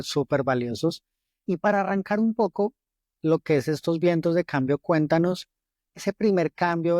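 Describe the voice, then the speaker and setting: A man with a slightly high voice hosts a podcast interview. He asks questions in an encouraging, attentive, conversational manner. The recording is dry, without room echo. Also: darkish tone. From Colombia.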